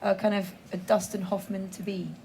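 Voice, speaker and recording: A woman's voice: medium pitch, little pitch movement, normal speed, dark tone. Playful woman interviewer in a noisy venue. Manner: playful, laughs often, teasing questions. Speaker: interviewer at a live film event. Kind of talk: event interview with audience questions. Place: stage in front of a live audience.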